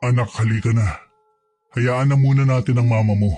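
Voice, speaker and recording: The speaker uses a put-on character voice. Loudness stays very even throughout. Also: man, medium pitch for a man, moderate pace, fairly even intonation. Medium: read story.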